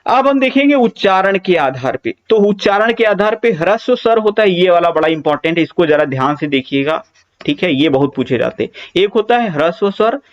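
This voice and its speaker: Man, teacher, high-pitched, exam-prep lecture, repeats points, dull lo-fi sound. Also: expressive, a little fast. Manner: repeats key points, asks and answers his own questions; draws out vowel sounds to demonstrate them.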